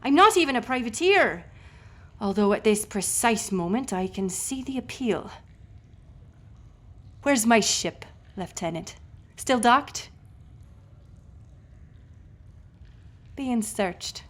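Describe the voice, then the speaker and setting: Woman acting as a female sea captain, defiant, sardonic, biting, unhurried pace, roleplay audio drama. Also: a little high, lively intonation. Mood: sardonic, indignant. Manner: sarcastic, wordy, biting. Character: defiant, sardonic, foul-mouthed female ship captain held prisoner.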